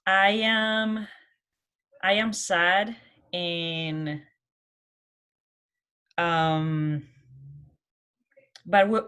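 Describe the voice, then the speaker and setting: A woman with a Colombian Spanish accent giving an informal personal presentation, halting, with frequent pauses and restarts. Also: lowish voice, a bit bright, clear, resonant tone. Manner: halting, hesitant, many pauses and false starts. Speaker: guest speaker, college program manager.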